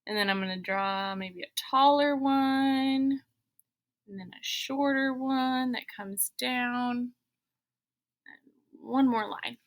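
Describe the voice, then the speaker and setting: Her voice is high-pitched, the pace slow, the pauses long. As an elementary school teacher, she leads kids through a step-by-step drawing exercise, giving gentle, simple guidance and voicing her thoughts as she works.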